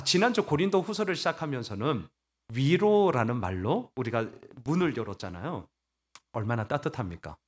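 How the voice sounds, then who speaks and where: A man preaching a sermon as pastor, animated, acting out voices and asking the congregation questions. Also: on the high side. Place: church sanctuary.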